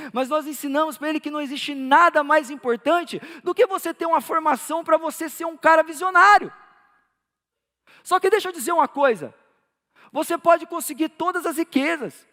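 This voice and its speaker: A man preaching a sermon as pastor, building to emphatic calls, then dropping into soft, low storytelling. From Brazil. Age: adult with a child. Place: church auditorium. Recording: live church sound with long hall reverb.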